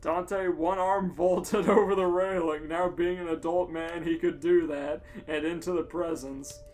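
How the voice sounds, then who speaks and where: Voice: medium pitch, fairly even intonation, measured pace, darkish tone. A podcast co-host reading a comic story aloud in an amused, giggly manner.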